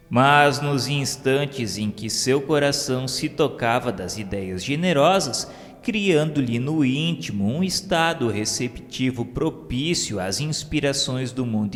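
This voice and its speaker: A man giving a slow, solemn, measured scripted narration of a spiritual history. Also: mid-range voice. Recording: long reverb with faint music bed.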